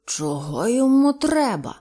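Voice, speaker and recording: A woman voicing a middle-aged male businessman who talks in lively, warm-hearted exclamations. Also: on the high side, a little slow, pitched above the performer's own voice. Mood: nostalgic.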